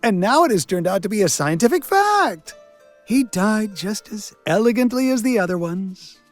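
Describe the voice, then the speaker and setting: Wildly animated, sarcastic village doctor. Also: male voice, high-pitched, normal speed, faint music behind. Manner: sardonic, theatrical, wisecracking. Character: sarcastic village doctor and coroner, self-styled man of science. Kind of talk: video game character acting.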